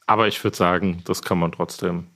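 A man's voice: sits low, fairly even intonation, brisk, pushed and bright. A man acting as quiz master on a podcast, moderating casually.

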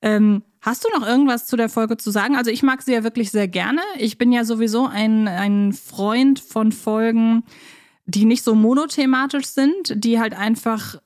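A woman's voice: fairly high pitch, fairly even intonation, moderate pace, darkish tone, no room sound. Woman chatting on a podcast, dry sound. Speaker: podcast host. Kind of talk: casual fan podcast discussion.

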